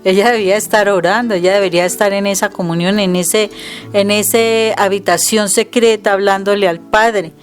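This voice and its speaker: A woman's voice: medium pitch, steady tone, normal speed, faint music behind. A middle-aged Colombian woman, a Catholic missionary co-hosting, who explains prayer in an earnest, emphatic way and quotes scripture aloud. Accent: Colombian Spanish. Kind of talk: conversational religious teaching.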